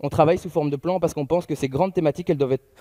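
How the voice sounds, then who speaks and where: A man's voice: fairly high pitch, racing, mellow, dry recording. A young adult man making a rhetorical, emphatic political debate speech. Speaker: political youth-wing leader, debate panelist.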